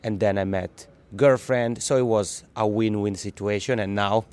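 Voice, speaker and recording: A man from the Italian-speaking part of Switzerland, Italian native speaker with a Swiss Italian accent, chatting as a podcast guest in a lively way, often restarting words. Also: lowish voice, normal speed, clean tone. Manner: lively, laughs easily, repeats words when restarting. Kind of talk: casual interview.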